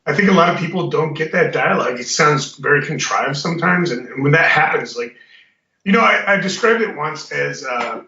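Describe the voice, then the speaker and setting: A man's voice: a little high, expressive, brisk, gravelly, pushed and bright. A man being interviewed as a guest author, chatting with stumbling restarts. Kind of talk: casual interview. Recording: roomy, distant, lo-fi audio.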